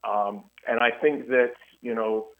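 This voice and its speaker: A man's voice: medium pitch, steady tone. A middle-aged man, a historian, speaking earnestly by phone in a radio interview, often restarting his sentences. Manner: earnest, halting with many restarts. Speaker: guest historian. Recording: tinny phone line.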